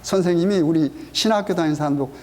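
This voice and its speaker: A man's voice: fairly high pitch, fast, darkish tone. A middle-aged male pastor preaching a sermon, quizzing the congregation with frequent questions and emphatic repetition. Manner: call-and-response questioning, emphatic. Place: church sanctuary.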